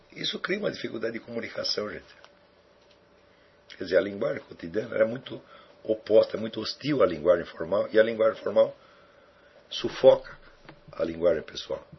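Male lecturer, low raspy voice, reflective and digressive, muffled recording. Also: slight background noise. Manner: rambling, reflective, with frequent tag questions. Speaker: philosophy teacher. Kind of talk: lecture answering student questions. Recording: dull lo-fi recording.

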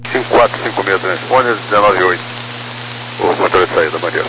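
A man's voice: low-pitched, brisk, sharp tone. A male airline pilot giving procedural readbacks over the radio. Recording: noisy humming aviation radio.

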